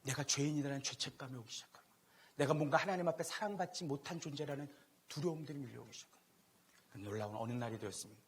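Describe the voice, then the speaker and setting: A middle-aged man preaching a sermon as a pastor, telling a personal story with a loud voice, swinging between loud exclamations and hushed asides. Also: mid-range voice, quick pace, breathy edge. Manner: animated, swings from loud to hushed, laughing at himself. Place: church sanctuary.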